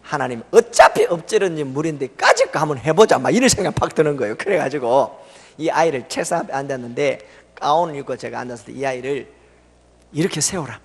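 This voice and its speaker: A middle-aged male revival preacher, his fairly high voice leaping up and down in pitch. He tells the story with laughter, jumping from loud cries to near-hushed asides. His voice carries a long reverb from a church sanctuary. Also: fast, breathy edge. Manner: animated, laughing, swings from loud exclamations to hushed tones.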